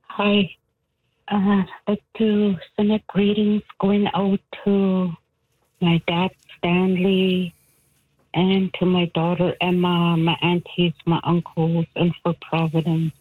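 A woman calling in to a radio show, speaking softly and slowly as she lists greetings to family. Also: lowish voice, monotone, no room sound. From Canadian Arctic. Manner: soft, slow, listing greetings. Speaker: caller. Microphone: phone line. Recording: tinny dry phone line.

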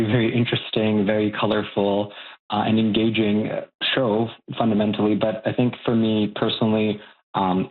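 A man's voice: lowish voice, breathy edge. A man from Bosnia and Herzegovina, a young adult, speaking as a guest expert in a radio interview, thoughtful with many fillers and restarts. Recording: tinny phone line.

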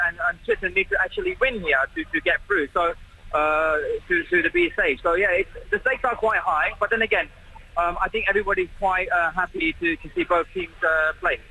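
A man with a British accent, a bar manager calling in to a radio interview from a crowded bar. He talks in a halting, excited way, with many restarts and repeated words. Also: high-pitched, poor audio. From Britain. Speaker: bar manager and phone-in guest. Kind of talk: live radio phone interview. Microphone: phone line. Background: crowd noise.

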